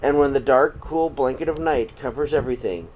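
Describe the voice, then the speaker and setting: A man reads aloud to children as a storyteller. His voice sits at a medium pitch and his delivery is dramatic and expressive. There is noticeable noise behind him. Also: fairly quick, low-quality recording. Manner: dramatic, swinging between hushed and projected. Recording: clear background noise.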